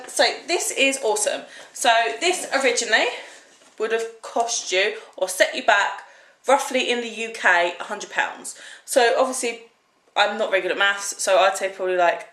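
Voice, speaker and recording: A woman's voice: a little high, a bit bright, echoey room, low-quality recording. A young British woman in her twenties, chatting casually and rambling through a haul vlog. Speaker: vlogger.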